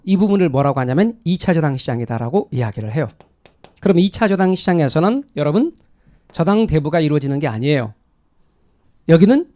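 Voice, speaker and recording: Lecturing to a real estate exam class, a middle-aged man talks conversationally, drilling key terms and asking himself rhetorical questions before answering them. He has a warm, slightly high voice.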